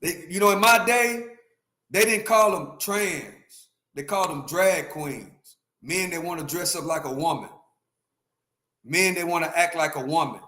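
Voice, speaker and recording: A man in his fifties, a livestream host, rants emphatically and opinionatedly, repeating his points and addressing his chat directly. His voice is on the high side, pushed and bright, delivered at a measured pace in a roomy-sounding space.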